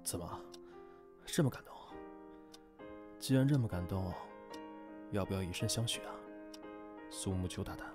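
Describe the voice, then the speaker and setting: A man's voice: low-pitched, normal speed, pauses often, music in the background, lightly acted. A man playing a laid-back, teasing young man in an audio drama, with sardonic banter. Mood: cheeky. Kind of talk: fan audio drama acting.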